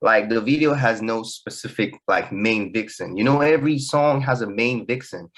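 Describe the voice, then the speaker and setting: A young man with a Nigerian accent, a musician guest speaking in a relaxed, loose way in a radio studio. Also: fairly low pitch, normal speed. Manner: relaxed, loose talk full of "you know". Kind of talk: radio interview.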